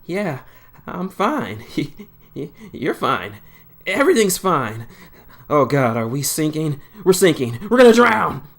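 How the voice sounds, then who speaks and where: A man's voice: a little high, big pitch swings, slow pace, creaky, a bit bright, voice pushed up, exaggerated voice. A man voicing a young male hedgehog hero in a fan story read aloud, breezy and modest but panicky when scared.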